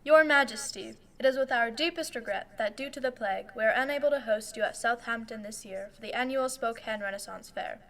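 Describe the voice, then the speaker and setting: A woman's voice: on the high side, a little fast, hardly any pauses, fairly bright tone. A woman playing a regretful Renaissance court messenger, announcing in formal, olde-time courtly speech for a faire role-play.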